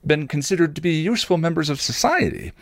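A man puts on a literal-minded woman in an audio story. The voice is lifted high and jumps around in pitch, blunt and briskly pedantic, heard close and dry. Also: very animated, dry recording. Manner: brisk, matter-of-fact, pedantic.

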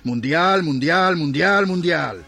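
A man's voice: fairly high pitch, animated, slow, vocal fry, bright, forceful tone, no echo, full character voice. An actor playing a bitter, bored male journalist with an Argentine accent, grumbling sarcastically in a radio drama. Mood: exasperated.

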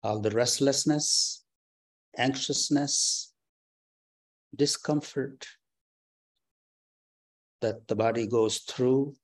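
A man leading a guided breathing meditation, giving slow, calm, soft instructions with long pauses. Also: mid-range voice. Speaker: meditation teacher. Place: temple or meditation hall.

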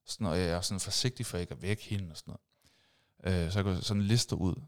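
A man hosting a podcast, telling personal stories in a casual chat and acting out screams and sound effects. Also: sits low. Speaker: podcast host.

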